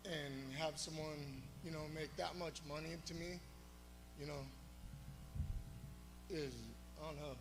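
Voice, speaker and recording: A man giving public comment as a parent at a school board meeting. He talks loudly and rambles, with many fillers. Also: a little high, steady tone, unhurried, pauses often, music in the background. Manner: loud, rambling, filler-heavy speech. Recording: echoey hall with background hum.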